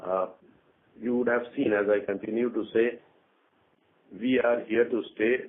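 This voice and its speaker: A man with a low voice speaks as a company executive on an earnings call. His delivery is measured and halting. The sound is narrow and tinny, as over a telephone. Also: steady tone, slight background noise. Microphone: conference call phone line. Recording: narrow tinny phone line.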